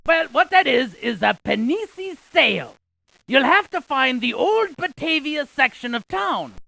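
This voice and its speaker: A woman's voice: high voice, gravelly, pushed and bright, no room sound, full character voice. A woman playing a quirky, chatty scientist in an educational game, delivering facts with theatrical emphasis and wordplay. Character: quirky, chatty female scientist spouting geography trivia. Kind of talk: animated educational game character lines.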